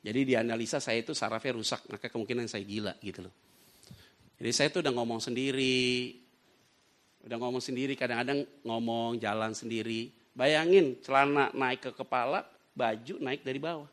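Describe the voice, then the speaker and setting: A man's voice: medium pitch, a little fast. A man preaching a sermon, telling stories and acting out the voices of the people in them. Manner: lively storytelling preacher who acts out dialogue. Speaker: pastor. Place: church.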